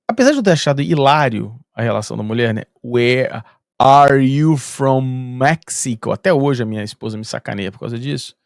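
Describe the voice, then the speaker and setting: Gravelly Brazilian man telling a story. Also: medium pitch, expressive, racing, few pauses, dry recording, studio quality. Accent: Brazilian Portuguese. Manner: chatty, with a frequent "né". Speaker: university professor, vlogger. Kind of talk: casual storytelling monologue.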